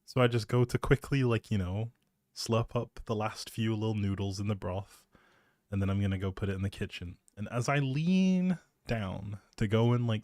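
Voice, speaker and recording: A man's voice: on the low side, a little mellow, no echo. A man chatting casually as a live streamer, rambling in a playful, self-deprecating way into a close microphone.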